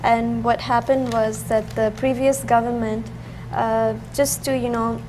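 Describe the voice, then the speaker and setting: A young woman from Pakistan, speaking haltingly on a panel with "uh" and "you know". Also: fairly high pitch, little pitch movement, a little mellow. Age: young adult. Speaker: student panelist. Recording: noisy room recording.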